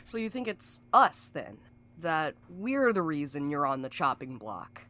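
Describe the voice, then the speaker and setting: An actress in an audio drama playing a cynical, sharp-tongued schemer with a wry, blunt, folksy way of talking. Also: female voice, low-pitched, very animated, unhurried, heavily acted. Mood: challenging.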